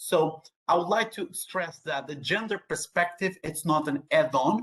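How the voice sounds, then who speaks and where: This is an ordinary speaking voice, moving at a fairly slow pace with lively intonation. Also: man. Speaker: lawyer presenting at a webinar. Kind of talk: webinar presentation. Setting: online webinar.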